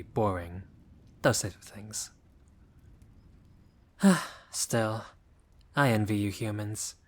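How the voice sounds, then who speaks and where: Casting: male actor as a genteel, friendly vampire for intimate roleplay audio, slightly low voice, formal and a touch bashful. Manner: formal, polite, old-fashioned, hesitant phrasing.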